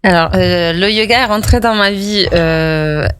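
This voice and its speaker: A woman's voice: mid-range voice, measured pace, fairly bright tone, slight background noise. A woman from Italy, a native Italian speaker, answering casually as an interview guest and rephrasing as she goes. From Italy, Bologna region. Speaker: guest, yoga teacher.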